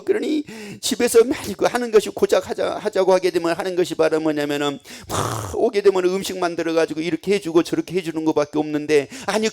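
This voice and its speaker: A man's voice: high-pitched, gravelly, darkish tone. A male pastor preaching a sermon in a conversational way, acting out everyday scenes with quoted voices.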